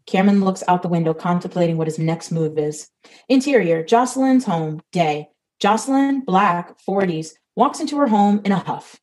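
Mellow woman reading stage directions. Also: fairly low pitch, animated, normal speed, low-quality recording. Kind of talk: scripted narration of stage directions.

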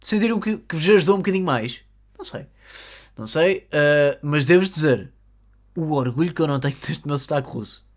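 A podcast host with a European Portuguese accent who delivers a jokey comic monologue. The pitch is lively and moves up and down a lot, with a casual, chatty flow. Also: brisk. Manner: animated, jokey storytelling. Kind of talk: comedic monologue.

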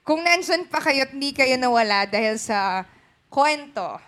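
A Filipina woman co-hosting a casual podcast, talking through a cough. Her voice sits a little high and swings widely up and down as she teases her co-host and laughs often. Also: a little slow. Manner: laughs often, mixes English into Tagalog, lively teasing. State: has a cough. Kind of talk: casual chat.

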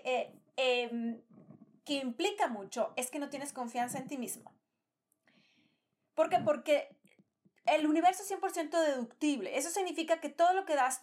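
Woman podcast host, high-pitched and emphatic, Spanish is not her first language, motivational delivery. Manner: emphatic, rhetorical questions, repeats phrases. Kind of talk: motivational talk.

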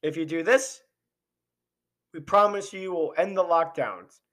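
Impassioned man ranting, voice going hoarse. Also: on the high side, a little slow, a bit bright. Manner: impassioned, ranting, rhetorical questions. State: losing his voice. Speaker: podcast host. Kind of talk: opinionated political commentary monologue.

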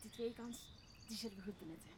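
A woman's voice: medium pitch, fast talker, natural voice. A young woman playing a dim, nervous and eager sidekick in an audio drama. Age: young adult. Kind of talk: Dutch audio drama of Shakespeare. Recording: noisy background.

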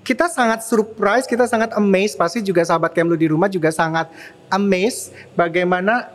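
A woman's voice: medium pitch, brisk. A woman with an Indonesian accent, presenting and chatting as the host of an interview show.

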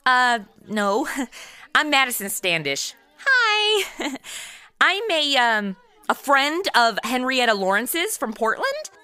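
A woman's voice: high-pitched, slow pace, clean tone, no room sound, full character voice. A woman playing a flippant, slangy modern young woman in her twenties in a comedy audio drama. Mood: indignant, flustered. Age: 20s. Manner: flippant, expressive. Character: sassy, slangy modern twenty-something woman turned detective.

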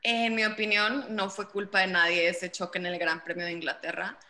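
A woman's voice: mid-range voice, little pitch movement, normal speed, bright, forceful tone. Chatty woman podcast host, echoey room. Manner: chatty, frequent agreeing backchannels and laughs. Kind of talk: casual interview chat.

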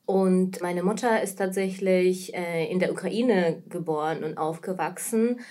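She's a guest on a casual podcast interview: a woman in her thirties from Kazakhstan, Russian by mother tongue, speaking German with a Russian accent, who works in anti-racism activism and training. Her pitch is fairly low and her tone dark, with a slightly slow delivery.

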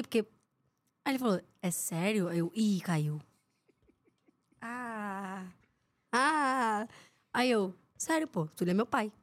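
A young woman, a sports reporter telling anecdotes as a podcast guest and acting out what people said. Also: a little high. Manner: lively storyteller who acts out the quotes of people in her stories.

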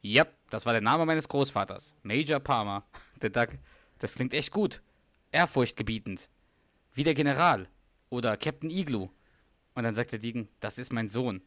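Slightly hoarse man recapping an episode. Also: mid-range voice, lively intonation, moderate pace, fairly bright tone, no room sound. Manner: retells scenes in detail, with many fillers and restarts. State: slightly hoarse, lost some voice. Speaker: podcast co-host recapping a sitcom episode. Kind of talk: casual chat.

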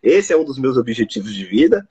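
A man's voice: medium pitch, sing-song, fairly quick, warm tone, slightly rough, lo-fi sound. A Brazilian man with a Brazilian Portuguese accent, chatting animatedly on a live stream and often restarting his sentences. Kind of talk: casual live chat.

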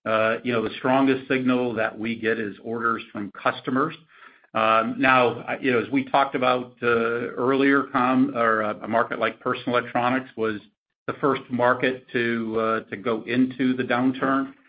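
A man speaking as a company executive answering analysts on an earnings call, in a halting, measured way. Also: mid-range voice, flat delivery. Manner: halting, hedged, measured delivery. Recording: muffled, lo-fi conference call audio.

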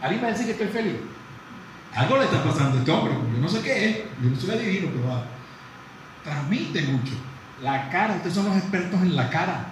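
A male psychologist giving a lively, conversational lecture to dentists, often asking the audience questions. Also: on the high side, brisk. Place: large room with audience. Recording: very echoey hall from far off, faint noise.

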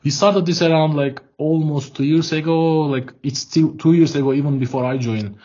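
The guest here is the product head of a developer tool startup, a Turkish-accented man from Turkey being interviewed over a video call. His voice runs a little high, steady and warm at normal speed. He sounds hesitant, repeating words as he thinks, and the call audio is dull and lo-fi.

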